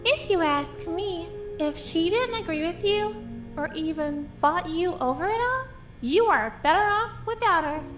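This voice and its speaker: A woman's voice: very high-pitched, expressive, a little slow, a bit bright, faint music behind, heavily acted. A woman voicing a kindly, encouraging young female hedgehog in a cartoon audio drama, speaking earnestly. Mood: sympathetic, reassuring.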